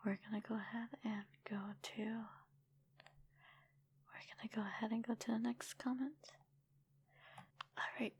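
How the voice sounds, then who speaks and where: A woman chatting casually in a soft, breathy ASMR whisper, informal and rambling, close to the microphone. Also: on the high side, slight background noise. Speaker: ASMR creator and streamer answering viewer comments.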